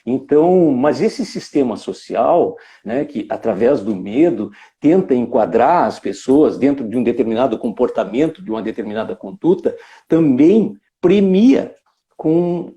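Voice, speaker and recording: A man's voice: mid-range voice, warm tone. A man from Brazil giving a reflective live talk, musing aloud with frequent tag questions and restarts. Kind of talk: reflective spoken lecture.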